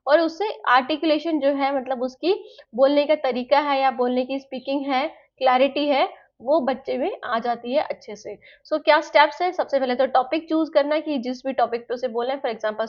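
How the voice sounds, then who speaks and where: A woman teaching a lesson to teacher-training students, explaining step by step in Hindi mixed with English terms. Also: high voice. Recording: slightly dull, lo-fi sound.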